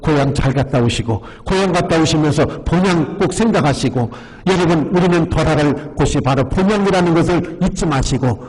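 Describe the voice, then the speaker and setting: A male pastor delivers an emphatic sermon in a fairly high voice, repeatedly calling out to the congregation. His voice carries a long reverb through a church sanctuary. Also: brisk, darkish tone. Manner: emphatic, often addresses the congregation.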